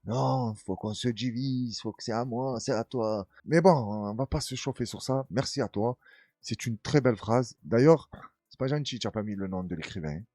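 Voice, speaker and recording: A man's voice: medium pitch, moderate pace, no echo, clean studio sound. A man hosting a casual news commentary stream, reading viewer comments in a slangy, streetwise way. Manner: animated storyteller, voicing others in his tales.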